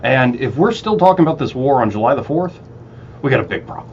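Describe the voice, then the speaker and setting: A man's voice: mid-range voice, very animated, fast talker, a little mellow. A chatty radio host, a man. He laughs easily and restarts his sentences as he runs through headlines. The audio sounds slightly dull, with a faint hiss underneath. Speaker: radio talk show host. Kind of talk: casual talk radio chat.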